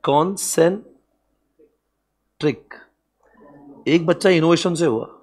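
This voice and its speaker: A man's voice: fairly high pitch, very slow, darkish tone. A man giving a classroom lecture on business strategy to students, playful and joking, often breaking into laughter. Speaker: commerce exam lecturer.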